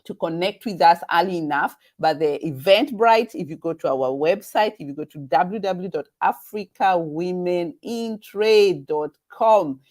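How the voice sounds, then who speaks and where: A woman with a Kenyan accent hosting a live webinar over a video call. She talks haltingly, with many fillers and restarts. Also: lowish voice, darkish tone. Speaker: event host.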